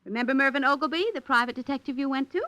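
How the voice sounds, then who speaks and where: A woman's voice: high-pitched, fairly even intonation, racing, bright, forceful tone. An actress playing a scheming, glamorous female film star in a 1950s radio drama, sultry and condescending.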